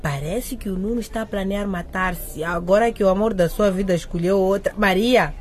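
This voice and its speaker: A woman's voice: medium pitch, normal speed, slight background noise, lightly acted. A woman playing a cheeky, sarcastic teenage schoolgirl in a radio drama, teasing and dramatic. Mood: teasing, indignant.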